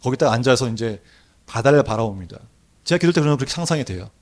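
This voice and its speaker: A male pastor preaching a sermon, telling stories vividly and building up to loud, fervent declarations. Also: mid-range voice, rapid-fire. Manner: animated storytelling, rising to loud proclamations.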